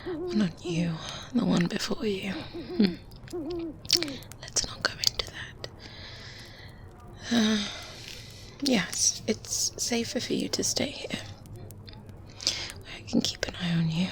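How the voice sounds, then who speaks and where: A woman voicing an experienced, self-assured good witch in a breathy, softly spoken ASMR roleplay, pausing deliberately and gently condescending. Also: medium pitch, sing-song. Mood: calm, self-assured. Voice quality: breathy, whispered. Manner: slow, deliberate, hesitant pauses with hums. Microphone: close binaural microphone. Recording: faint ambience noise behind close whispers. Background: medieval ambience sounds.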